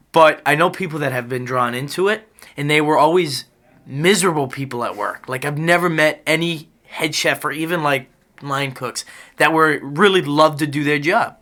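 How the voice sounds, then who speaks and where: A man's voice: on the high side, bright, forceful tone. A man casually recalling his own experience in an interview.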